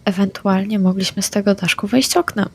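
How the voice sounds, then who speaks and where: Creaky-voiced woman at a tabletop game. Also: mid-range voice, steady tone, a little fast. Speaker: roleplaying game player. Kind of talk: casual tabletop play.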